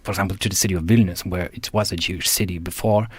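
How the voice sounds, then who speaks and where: A man from Lithuania hosting a podcast interview, asking questions in a thoughtful, hesitant way with drawn-out hums. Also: deep voice, fairly even intonation, husky. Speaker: podcast host.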